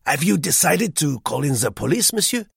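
A man's voice: a little high, sing-song, normal speed, gravelly, breathy edge, no echo, studio quality, pitched above the performer's own voice, heavily acted. A man voicing an insistent, fussy bearded French businessman who urges action emphatically.

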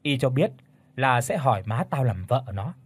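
A man voicing a gentle, sad teenage schoolgirl in a story reading, soft and hesitant, with a husky voice. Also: mid-range voice, lively intonation, normal speed, dry recording.

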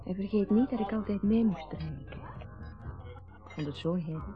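An actress playing a wistful, reproachful grown daughter with a husky voice in a naturalistic radio drama. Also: female voice, mid-range voice, brisk, lightly acted. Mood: teasing. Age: adult. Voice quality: husky, breathy. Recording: dull lo-fi radio recording with music.

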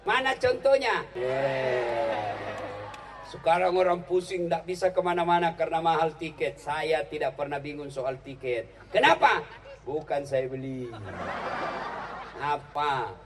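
A man's voice: fairly high pitch, expressive, a little slow. A man giving a humorous motivational talk to students, teasing the crowd and repeating key lines. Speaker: motivational speaker. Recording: distant mic with faint background noise.

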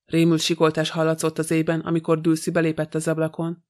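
A man reading a novel aloud as a narrator, in a very flat, even delivery. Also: a little high. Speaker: audiobook narrator. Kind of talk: scripted narration.

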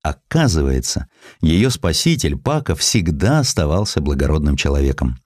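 Deep-voiced, animated male storyteller. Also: normal speed, dry recording, studio quality. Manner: expressive, theatrical storytelling. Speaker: audiobook narrator. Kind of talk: dramatic scripted narration of historical sketches.

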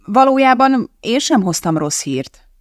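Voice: mid-range voice, lively intonation, dry recording, voice pushed up, lightly acted. The reader voices a resolute woman chemist who hosts a TV cooking show, speaking firmly and declaiming to a studio audience. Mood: uneasy. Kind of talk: audiobook character voicing.

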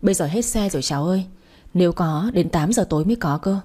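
Kindly older man giving directions, read by a woman; low, warm-toned, friendly. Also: expressive, quick pace, breathy edge. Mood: helpful.

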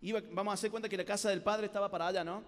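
A man with a Rioplatense Spanish accent preaching a lively youth sermon, telling stories and acting out the voices in them. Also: sits high, rapid-fire. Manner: animated storytelling with acted-out voices. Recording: live sermon with long hall reverb.

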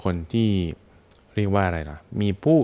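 A man's voice: on the low side, normal speed, dark tone, clean tone. A man, a monk, explaining teachings on a radio show through everyday examples in an informal way. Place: radio studio.

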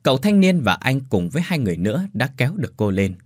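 A man narrating a dramatic ghost story in an animated, lively way, putting on voices for the characters. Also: mid-range voice, quick pace, no room sound, studio quality.

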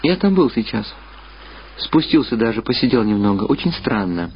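A man's voice: mid-range voice, big pitch swings, moderate pace. A man voicing a brooding, earnest young man in a reflective literary audio drama. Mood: musing. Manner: wistful, reflective. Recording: dull lo-fi sound under loud music. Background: loud music.

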